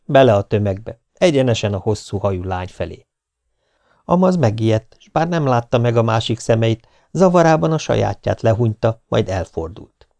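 A male narrator reads a short story in a steady, measured manner. His voice is warm and dark with a gravelly edge, mid-pitched, recorded close and dry with no room sound. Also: no room sound. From Hungary. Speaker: audiobook narrator. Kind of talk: scripted narration.

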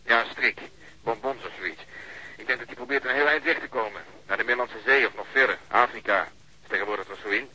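A man's voice: medium pitch, fast, bright, forceful tone, slight background noise, low-quality recording. An actor playing a wisecracking policeman on surveillance in a radio drama, with a sardonic, joking manner. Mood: brisk, amused. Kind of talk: naturalistic radio drama dialogue.

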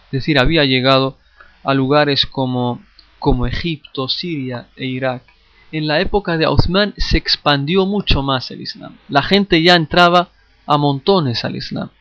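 A male teacher giving a lesson to his listeners, speaking in a plain middle-pitched voice and often stumbling, repeating phrases and restarting his words. The sound is dry and slightly muffled, with no room echo. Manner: addresses listeners directly. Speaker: Islamic studies teacher. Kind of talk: classroom lecture.

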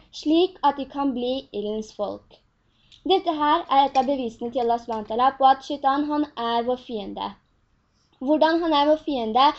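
A woman's voice: sits high, a little mellow. A woman teaching a Quran class, earnest, often asking her students questions. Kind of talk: religious lesson in Norwegian. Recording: dull lo-fi recording.

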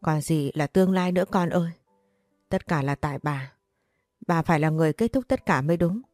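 A woman reading a story voices a frail, fierce and protective elderly grandmother in a low, mellow tone, with pleading, reproachful outbursts. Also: fairly quick, dry recording, clean studio sound, faint music behind, close to an everyday voice. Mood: desperate.

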